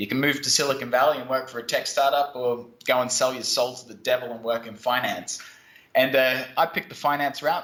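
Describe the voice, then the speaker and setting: A man's medium-pitched voice with an Australian accent, fairly quick and fairly even in intonation, with big swings in loudness. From Australia, Brisbane. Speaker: SEO consultant. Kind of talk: podcast interview.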